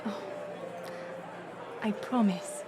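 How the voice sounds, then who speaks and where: A woman playing a gracious, resolute middle-aged queen in an audio roleplay, speaking in formal, stately, measured phrases. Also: noisy background. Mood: earnest reassurance. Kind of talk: scripted audio roleplay acting.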